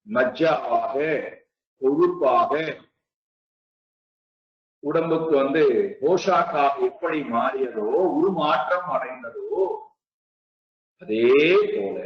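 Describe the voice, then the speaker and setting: Man, spiritual discourse, unhurried, repeated rhetorical questions, dull lo-fi sound. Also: a little high. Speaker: spiritual teacher. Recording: echoey, distant, dull lo-fi sound.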